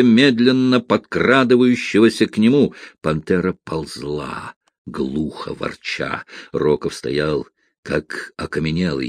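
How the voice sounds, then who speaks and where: A man narrating an adventure novel as an audiobook, dramatic and dropping to a hush at tense moments. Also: fairly low pitch, no room sound, studio quality.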